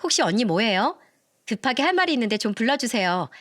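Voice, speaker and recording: A woman voicing a rude, greedy young woman who shouts and swears, in a story reading. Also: a little high, big pitch swings, fast. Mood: fake friendly.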